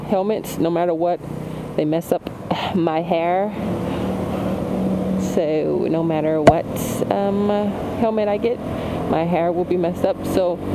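Loud background noise sits under speech delivered at a fairly slow pace. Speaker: motovlogger. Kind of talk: casual vlog chat. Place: motorbike.

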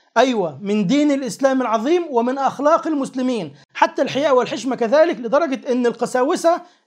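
A man's extremely high-pitched voice with lively intonation, a moderate pace and a quiet background. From Egypt. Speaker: religious YouTuber. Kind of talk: polemical commentary video. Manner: mixes formal Arabic and colloquial Egyptian. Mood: sarcastic, argumentative. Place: studio. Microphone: lapel.

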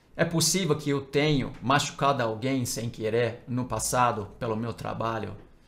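An American accent from a man, with vocal fry, ordinary pitch variation and a fairly slow pace. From US South, rural Tennessee. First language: English (speaking Portuguese). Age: 50s. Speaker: stock market educator. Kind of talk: video monologue to camera. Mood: earnest, apologetic.

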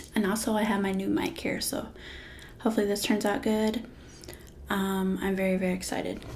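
Light background noise sits behind a woman talking at a fairly quick pace with ordinary pitch variation. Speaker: mukbang creator. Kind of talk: casual vlog chat. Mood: cheerful, excited. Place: home room. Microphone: studio mic.

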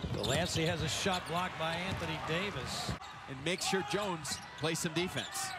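A man's high-pitched voice, dry and without echo, against loud background noise. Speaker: sports commentator. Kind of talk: live commentary. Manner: animated; fast-paced play-by-play.

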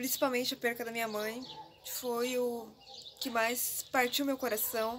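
A woman talks at high pitch and a fairly slow pace in monotone, flat intonation, over light background noise. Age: 20s. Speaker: vlogger. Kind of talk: personal vlog monologue. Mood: reflective, personal. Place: home room. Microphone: phone near.

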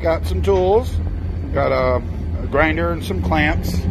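Noticeable background noise sits under the recording. A man speaks at a very slow pace. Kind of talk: tutorial. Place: garage. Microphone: phone near.

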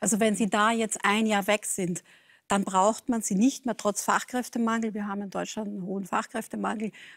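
Against a quiet background, a woman speaks at a moderate pace in a flat monotone. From Austria. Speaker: self-employed author, career mother; talk show guest. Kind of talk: TV talk show discussion. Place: studio. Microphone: lapel.

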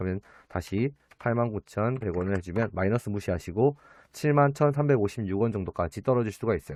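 Speaking at a fairly slow pace, a man has a fairly low pitch and ordinary pitch variation. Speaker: stock chart analysis youtuber. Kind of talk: tutorial. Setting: at hometown, recording on old computer. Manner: casual, filler-heavy explanation.

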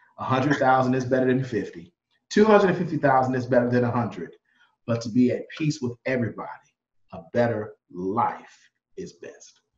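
A man with an American accent and a medium-pitched, somewhat breathy voice talks fairly slowly with lively intonation and big swings in loudness, in a room with audible echo. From Chicago. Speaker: life coach and minister; life coach, minister. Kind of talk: casual interview. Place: home room. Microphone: webcam.

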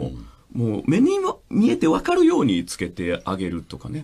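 This man has a dark, mellow tone and sounds somewhat breathy. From Japan, Osaka (Kansai). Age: 40s. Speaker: rakugo performer. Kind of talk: radio talk show interview.

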